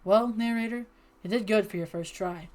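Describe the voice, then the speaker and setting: A woman's voice: medium pitch, normal speed, darkish tone, natural voice. A woman casually reading a cagey older con man. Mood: offhand. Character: gruff, cagey old male tourist-trap con man. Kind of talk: reading game dialogue aloud.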